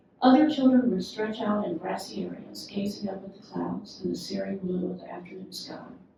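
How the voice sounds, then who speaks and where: With an American accent, the speaker talks at a moderate pace amid audible room echo. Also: woman. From US South. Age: 70s. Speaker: memoir author. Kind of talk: reading aloud.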